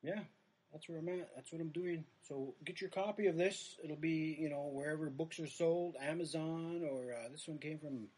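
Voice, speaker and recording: A man's voice: a little high, moderate pace, a little mellow, breathy edge, poor audio. A middle-aged man with a Native American reservation accent, chatting casually on a livestream in a rambling, self-deprecating way that trails off. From Red Lake reservation, United States. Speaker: comedian, live-stream host.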